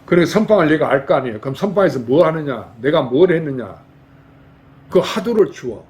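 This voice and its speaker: An older Buddhist monk from Jeolla, South Korea gives a folksy dharma talk in a temple hall, quizzing lay listeners with rhetorical questions. His voice is a little high and mellow, very animated, and slightly fast.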